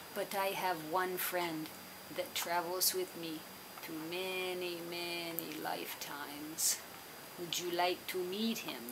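Amid loud background noise, a cartoonish character voice at a middle pitch moves at a fairly slow pace. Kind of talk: comic puppet acting. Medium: puppet show. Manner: theatrical, boastful, creepy.

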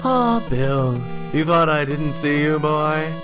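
A man's put-on character voice, fairly high-pitched and fairly slow, with clear music in the background

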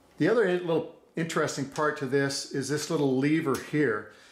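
Male speech with audible room echo and ordinary pitch variation. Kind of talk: tutorial. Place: kitchen.

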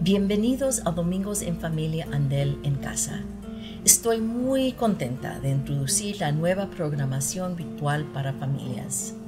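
A woman talks at a moderate pace with clear music in the background. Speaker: museum educator. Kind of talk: program host introduction. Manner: upbeat. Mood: warm, friendly. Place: home room. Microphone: webcam.

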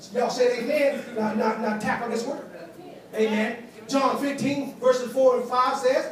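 Amid audible room echo and light background noise, a man speaks in an animated tone. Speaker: pastor. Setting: church. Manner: animated, repetitive exclamations like 'Woo' and 'come on, somebody'; rhythmic preaching cadence, prompting the crowd to finish lines. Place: church. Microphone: camera far.

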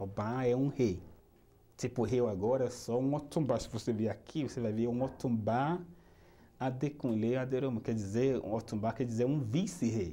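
A man's dark, mellow voice, medium in pitch, with ordinary pitch variation at a moderate pace. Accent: Nigerian. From Nigeria. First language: Yoruba (speaking Portuguese). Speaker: cultural educator. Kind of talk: life-story interview; interview answer. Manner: halting. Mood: warm, smiling, animated. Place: studio.

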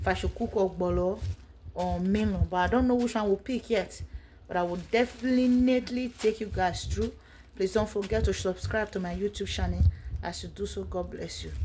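At a moderate pace, a woman speaks against light background noise. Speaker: home cook vlogger. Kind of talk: casual cooking vlog chat. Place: kitchen. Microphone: phone near.

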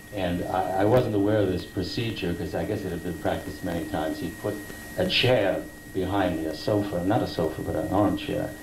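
A man talks at a fairly quick pace with a very deep, low pitch. Background noise is noticeable. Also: ordinary pitch variation. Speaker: guest. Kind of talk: interview answer, anecdote. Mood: amused storytelling. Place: hall.

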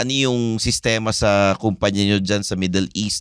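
A man's fairly low, plain, everyday voice with ordinary pitch variation at a moderate pace, dry sound with no echo and a quiet background. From Philippines. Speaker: podcast host. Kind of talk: casual chat. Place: studio. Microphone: studio mic.

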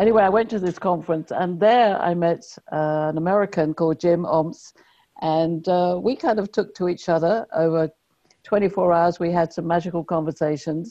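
A woman with an English accent speaks at a moderate pace in a dark, mellow tone, her pitch fairly low. Her intonation stays fairly even against a quiet background. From London, England. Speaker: business consultant; podcast guest. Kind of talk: interview. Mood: warm, smiling. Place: home room. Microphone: earbuds.

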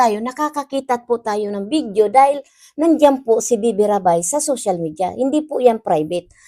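A high-pitched woman's voice with lively intonation. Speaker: YouTube reaction vlogger. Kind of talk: casual commentary on a reacted video. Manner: halting, many fillers.

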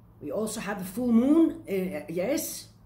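Speech at a fairly slow pace carries audible room echo. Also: woman. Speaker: tarot reader. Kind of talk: tarot reading commentary. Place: home room. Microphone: camera far.

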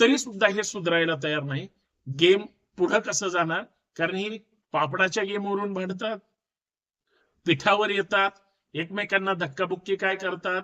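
A man speaks in a raised, projected voice at a high pitch. His tone is bright and sharp. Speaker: lawyer and YouTube commentator. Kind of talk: opinion commentary monologue.

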